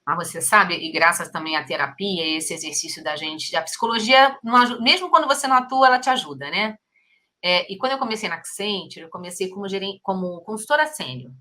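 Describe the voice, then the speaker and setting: A middle-aged woman with a Brazilian Portuguese accent hosts a relaxed podcast chat. Her voice is bright and sharp at a middle pitch. She is effusive and exclaims often. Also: fast. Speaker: podcast host. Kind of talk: casual interview chat.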